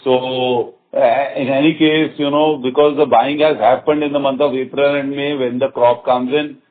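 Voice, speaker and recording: A man with an Indian accent speaking as a company executive on an earnings call, halting and repeating phrases as he answers in a semi-formal business style. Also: mid-range voice, little pitch movement. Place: conference call. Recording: muffled conference phone line.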